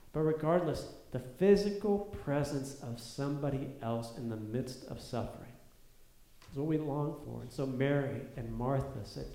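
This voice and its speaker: A man's voice: mid-range voice, dark tone. A man preaching a sermon, earnest and building to emphatic peaks with repeated phrases, in a church sanctuary. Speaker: pastor. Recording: echoey room.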